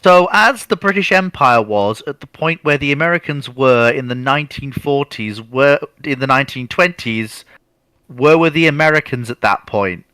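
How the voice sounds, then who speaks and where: A man's voice: mid-range voice, animated, moderate pace, pushed and bright, smooth, no echo. A man co-hosting a casual livestream chat, reading out questions from viewers.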